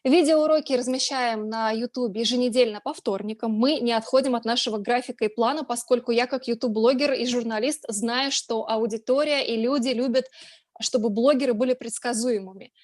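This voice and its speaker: A woman's voice: on the high side, brisk, darkish tone, dry recording, studio quality. A woman from Russia, a blogger and journalist, giving a conference presentation in a chatty way, with frequent filler sounds and restarts.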